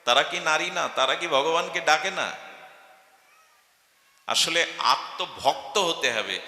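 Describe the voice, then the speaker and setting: A man's voice: on the high side, animated, takes it slowly, sharp tone. A man giving a devotional sermon, telling stories and asking rhetorical questions. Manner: storytelling, asks rhetorical questions. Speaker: preacher. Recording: echoey hall.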